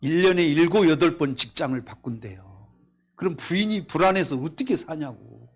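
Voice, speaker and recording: A man preaching a Korean sermon at a Friday night service, reading scripture aloud, telling stories and asking the congregation questions, swinging between loud exclamations and quiet asides. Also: a little high, animated, normal speed. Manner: reads scripture in a raised voice. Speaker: pastor. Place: church.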